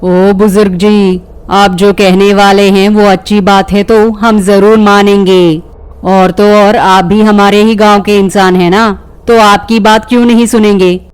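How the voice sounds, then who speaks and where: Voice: medium pitch, flat delivery, a little slow, smooth, pitched above the performer's own voice, lightly acted. The story's narrator voicing a grown village headman in a dubbed storybook cartoon, speaking eagerly.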